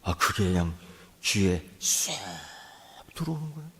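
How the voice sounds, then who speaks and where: A male pastor delivering a sermon as animated storytelling, dropping to a hush and rising again. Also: lowish voice, a little slow. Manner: animated storytelling, swings from hushed to loud.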